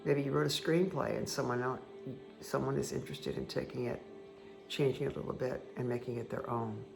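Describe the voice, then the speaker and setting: Croaky woman giving a card reading. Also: very deep voice, steady tone, brisk. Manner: chatty, reassuring, addresses listener directly. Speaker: tarot card reader. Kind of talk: casual spoken card reading. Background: background music.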